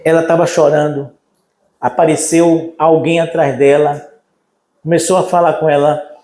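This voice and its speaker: A Brazilian pastor preaches with a fairly high-pitched voice, lively and animated as he acts out the voices of people in his story. His voice rings through a roomy, echoey church sanctuary. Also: normal speed. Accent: Brazilian Portuguese. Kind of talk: sermon.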